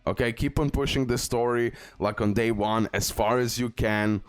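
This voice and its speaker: A man's voice: medium pitch, fairly even intonation, moderate pace, dry recording. A man who speaks English as a second language gives a casual, instructive mobile game tutorial, repeating and stressing his key tips. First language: not English. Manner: instructive, repetitive, emphatic about key tips. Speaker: gaming video creator and guide.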